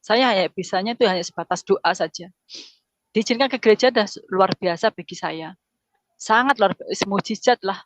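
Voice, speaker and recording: A woman's voice: medium pitch, normal speed, dry recording. A middle-aged woman giving an emotional personal testimony in casual storytelling, repeating herself and acting out dialogue. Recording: dull lo-fi sound.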